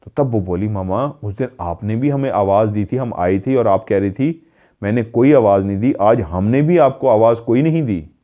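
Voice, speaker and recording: A man with a low voice narrates a paranormal tale. He raises his voice to mimic the calls of the people in it. The recording is dull and lo-fi. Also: moderate pace. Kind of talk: storytelling narration. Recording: dull lo-fi sound.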